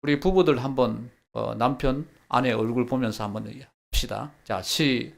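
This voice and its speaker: A man's voice: mid-range voice, moderate pace, vocal fry. A man preaching a sermon as pastor, acting out quoted lines and leading the congregation through practice. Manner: lively, acts out quoted dialogue, leads the congregation in practice.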